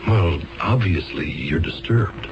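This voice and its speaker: Flustered, deep-voiced American defense lawyer. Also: male voice, lively intonation, slow, lo-fi sound, full character voice. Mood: exasperated, coaxing. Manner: hesitant, stammering, throat-clearing. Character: flustered, earnest male court-appointed defense lawyer. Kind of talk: 1970s radio drama acting. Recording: band-limited 1970s radio broadcast, music.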